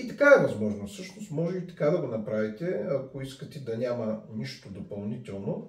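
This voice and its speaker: With a Varna accent, a man speaks at a moderate pace and medium pitch, hardly pausing, his pitch swinging very widely and his loudness shifting a lot, with audible room echo. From Bulgaria, Varna. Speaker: cooking YouTuber. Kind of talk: cooking tutorial. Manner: hesitant, many fillers.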